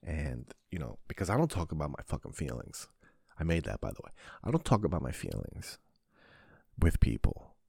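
A man hosting a podcast, crying as he opens up in a halting monologue, swearing often and restarting his sentences. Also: rumbling low, very animated, vocal fry, a little mellow, husky, no room sound, clean studio sound. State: crying, sniffling. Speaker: podcast host. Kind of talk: emotional confessional monologue.

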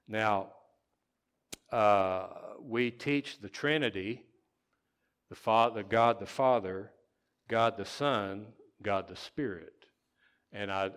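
A man preaching a sermon as pastor in a church, slow and halting with restarts, at times rising to loud, laughing emphasis. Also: fairly low pitch, clean tone.

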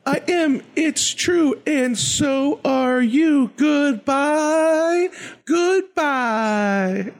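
Comedy sketch role: a very high-pitched, friendly kids' host, excitable, rhyming in rhythm. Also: male voice, drawn-out words, creaky, heavily acted. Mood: cheerful, friendly. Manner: rhythmic, sing-song rhyming.

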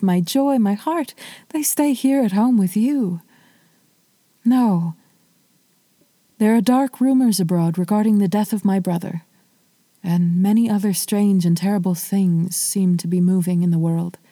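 A woman voicing a proud, stubborn young king who speaks firmly, slowly and in a low, dark, close voice in a storytelling podcast. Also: dry recording, natural voice. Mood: earnest. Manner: firm, declaiming.

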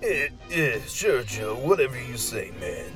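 A man's voice: mid-range voice, very animated, measured pace, over music. A man playing an exasperated, cautious friend in an audio drama, wearily scolding with casual swearing. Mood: weary, pleading. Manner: weary, nagging, casual swearing. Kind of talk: audio fiction acting.

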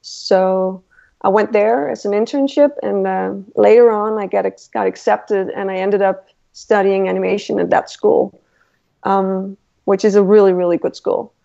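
A woman from Denmark with a Danish accent, a Danish native speaker, answering relaxed interview questions and pausing to search for words. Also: medium pitch, gravelly. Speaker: illustrator guest. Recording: dull lo-fi call audio.

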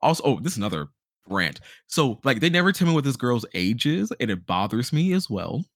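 A man co-hosting a podcast, giving a casual game review in an animated storytelling way, acting out reactions. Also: mid-range voice, a little fast, no echo, studio quality. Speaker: podcast host.

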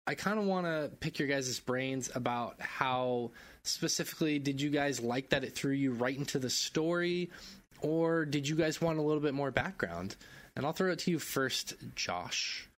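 A man's voice: mid-range voice, moderate pace. A man hosting a casual gaming podcast, upbeat and prone to laughing at his own slips. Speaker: podcast host.

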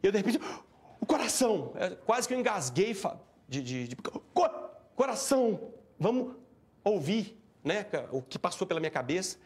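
A man recounting a tense event in an interview, animated and acting out what people said. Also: sits high, brisk, breathy edge. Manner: animated, acts out shouting and quoted speech. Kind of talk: emotional first-person account.

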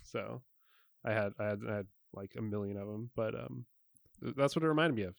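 A man's voice: fairly low pitch, a little fast, creaky, no room sound. Brief: easygoing young male podcast co-host, laughs a lot, dry sound. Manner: relaxed, laughs often. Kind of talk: casual film review chat.

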